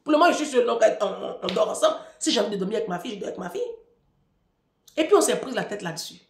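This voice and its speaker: A woman's voice: on the high side, racing, reverberant. A woman in her thirties telling a personal story as relationship advice, emphatic and speaking straight to her listeners. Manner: lively, emphatic, addresses listeners directly.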